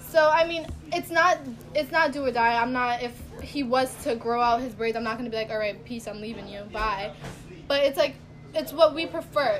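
With music in the background, a woman talks at a fairly quick pace in a high pitch with lively intonation. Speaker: roundtable guest. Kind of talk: casual chat.

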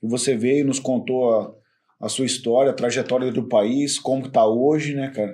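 A man speaks at a moderate pace and medium pitch in a dark, mellow tone. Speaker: podcast host. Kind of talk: casual chat. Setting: studio.

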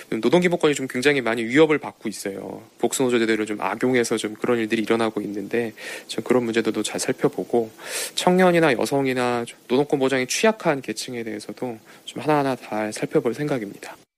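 A man speaks at a very fast pace with ordinary pitch variation over noticeable background noise. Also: medium pitch for a man. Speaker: legislative aide. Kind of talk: field interview.

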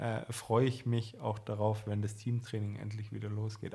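A man talks at a moderate pace in a fairly low pitch, somewhat breathy. His intonation is monotone and flat. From Ulm, southern Germany. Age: 30s. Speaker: ice hockey player and club manager. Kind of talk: casual interview. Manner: hesitant with many fillers.

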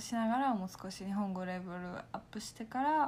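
A woman speaks with a German accent, her voice somewhat breathy and her pitch varying in an ordinary way. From Germany. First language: German (speaking Japanese). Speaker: podcast co-host. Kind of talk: casual chat; scripted intro.

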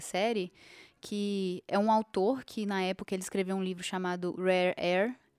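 A woman speaks in a plain, everyday voice at a moderate pace and medium pitch. The sound is dry and close with no echo, on a very clean recording with a silent background. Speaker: podcast co-host, journalist and copywriter. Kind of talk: casual chat.

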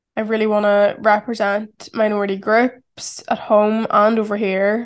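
A woman's medium-pitched, flat, monotone voice with a Northern Irish accent. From Northern Ireland. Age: 20s. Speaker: podcast host. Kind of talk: solo monologue. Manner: nervous.

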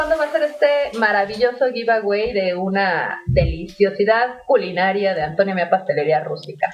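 In a Mexican accent, the speaker talks in an animated tone with hardly any pauses as noticeable background noise carries on. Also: woman. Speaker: internet radio host. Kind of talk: casual chat.

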